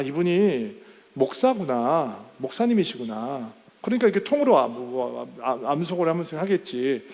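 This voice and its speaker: A male pastor telling a story in a sermon, animated and acting out the quoted voices. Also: a little high. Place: church sanctuary. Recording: church hall with long reverb.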